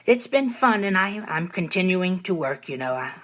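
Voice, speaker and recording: A man's voice: high voice, sing-song, moderate pace, a bit bright. A nineteen-year-old man hosting an interview, easygoing and agreeable. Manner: easygoing, agreeable, many fillers and short acknowledgments. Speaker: interviewer, host. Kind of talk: casual interview.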